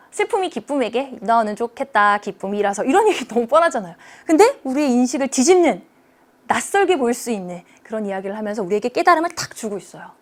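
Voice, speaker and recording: A woman teacher giving a lecture, lively and engaging, often checking in with her students as she explains. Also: on the high side.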